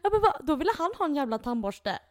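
A woman's voice: high-pitched, big pitch swings, dry recording, studio quality. A young woman hosting a podcast in frank, casual chat, often laughing. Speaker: podcast host.

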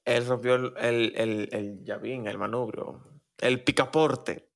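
Male podcast co-host with a Dominican accent. Medium pitch, casual and slangy, swapping stories and banter. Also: fairly even intonation, slow pace, vocal fry. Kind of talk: casual storytelling chat.

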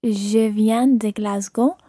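Soft-toned woman repeating phrases carefully. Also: medium pitch, fairly even intonation, dry recording, clean studio sound. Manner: careful, measured repetition. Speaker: learner on a language podcast.

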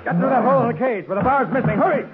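Fast-talking, commanding radio detective. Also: male voice, extremely high pitch, lively intonation, very noisy. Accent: American. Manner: brisk, decisive. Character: quick-thinking, commanding male private detective. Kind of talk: 1940s radio drama acting. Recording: muffled vintage 1940s radio recording.

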